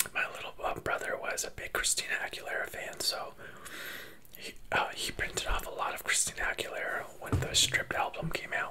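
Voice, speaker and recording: A man's whisper at a fairly quick pace. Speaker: ASMR creator. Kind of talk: ASMR fashion commentary. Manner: whispered. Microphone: studio mic.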